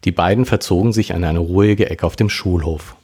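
A man's voice: low-pitched, a little fast, slightly rough. A man reading a story aloud and voicing all the characters himself. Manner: expressive, acts out all characters. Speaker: audiobook reader.

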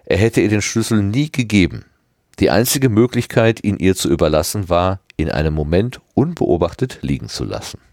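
A man narrating a novel as an audiobook reader in a calm, even storytelling manner. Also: sits low, normal speed, creaky, no room sound, clean studio sound. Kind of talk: scripted narration.

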